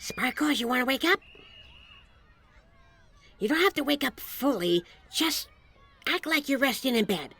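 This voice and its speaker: A woman's voice: sits high, big pitch swings, measured pace, pauses often, fairly bright tone, heavily acted. A woman playing a teasing, impatient female demon who shares a fairy's mind, speaking in a sardonic, coaxing, conversational way for an ASMR audio roleplay. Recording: echoey, long reverb on voice.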